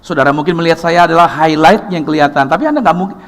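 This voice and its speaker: A middle-aged man from Ambon with an Ambonese Indonesian accent, preaching a lively, emphatic sermon that asks the congregation questions and answers them. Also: on the high side, rapid-fire. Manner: lively, emphatic, rising to loud bursts. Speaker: pastor. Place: large church hall. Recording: long church reverb.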